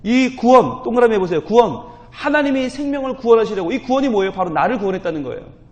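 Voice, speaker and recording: A man with a high voice preaches an early-morning sermon. He tells the story with feeling and keeps asking the congregation questions. The recording sounds muffled and lo-fi. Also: expressive, quick pace, darkish tone. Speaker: pastor.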